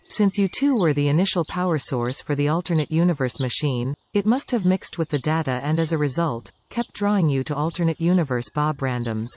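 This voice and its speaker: A man voicing a cold, scheming male AI ferret villain in a hobby audio play, delivering flat, menacing threats. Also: a little high, fairly quick, hardly any pauses, slight background noise, natural voice.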